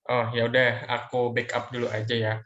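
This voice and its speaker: A man's voice: mid-range voice, completely flat delivery, normal speed, fairly bright tone. A young man, a student interviewer, asking questions politely and hesitantly over a video call with many fillers. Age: young adult. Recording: muffled video call audio.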